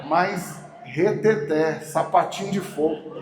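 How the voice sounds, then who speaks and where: A Brazilian man with a Goiás accent, preaching a sermon as a pastor and telling a story with acted-out dialogue that swings from hushed to loud. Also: fairly high pitch, takes it slowly. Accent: Goiás Brazilian Portuguese. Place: large church hall. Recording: echoey church hall, faint background noise.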